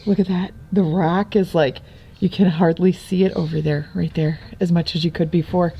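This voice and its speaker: A woman's voice: fairly low pitch, fairly even intonation, moderate pace, mellow, breathy edge, dull audio. A woman, chatting casually to the camera at home in a rambling, self-correcting way. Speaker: vlogger and homeschooling mother. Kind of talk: casual vlog chat. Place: at home indoors.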